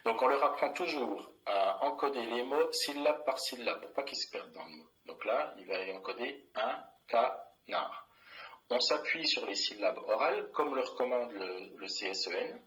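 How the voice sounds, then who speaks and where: A man's voice: medium pitch, expressive, normal speed, a bit bright, rough recording. A middle-aged man, a primary school teacher, explaining a classroom method in a plain, methodical way with many fillers and restarts.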